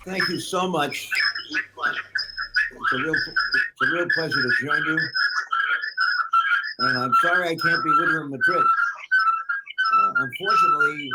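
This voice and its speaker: A man's voice: on the high side, rough recording. Older man speaking by video call. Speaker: award presenter. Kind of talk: formal remarks by video link.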